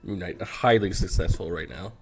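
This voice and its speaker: A man's voice: sits low, normal speed. A man co-hosting a podcast in casual, jokey banter. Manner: jokey, swearing. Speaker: podcast co-host.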